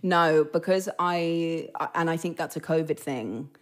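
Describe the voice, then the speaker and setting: A British actress guesting on a casual podcast chats in a low, slightly slow voice. She's self-deprecating and uses lots of fillers, recorded remotely or in a studio.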